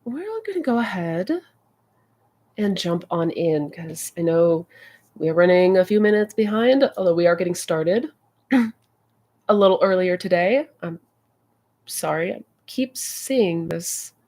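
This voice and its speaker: A woman's voice: lowish voice, animated, unhurried, pauses often, a little mellow. Stuffy, slightly nasal woman host. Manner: friendly, chatty, many fillers. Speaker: manifestation coach hosting a live Q&A. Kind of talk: casual livestream chat.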